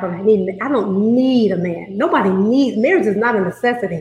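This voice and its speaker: A woman speaks in a normal speaking voice at a fairly quick pace. Her intonation is lively. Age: 50s. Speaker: author and relationship speaker. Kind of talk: casual chat.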